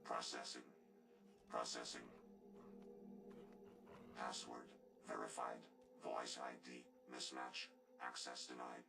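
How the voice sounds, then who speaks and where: A man voicing a monotone bank security computer, with a synthetic computer voice and flat, clipped announcements. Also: rumbling low, slow pace, gravelly, long pauses, soft background music, full character voice. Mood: robotic.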